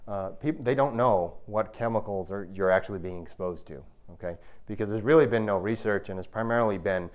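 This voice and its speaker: An American man in his thirties, a university researcher, gives a public talk in an indoor lecture room before an audience. He explains things emphatically and often checks in with his listeners, speaking briskly in a voice on the low side.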